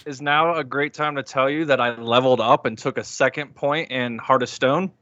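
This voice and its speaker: Male tabletop player, bright edge, medium pitch, casual chat, dry and slightly lo-fi. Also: moderate pace, no room sound.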